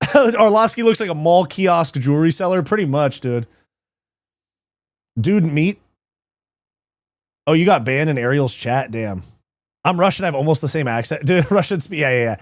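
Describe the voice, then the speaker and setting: Speaking on the high side at a moderate pace with long pauses, this livestream MMA host picks apart fights casually. He swears, gets excited, laughs a lot and reads out live chat. The sound is dry and studio quality.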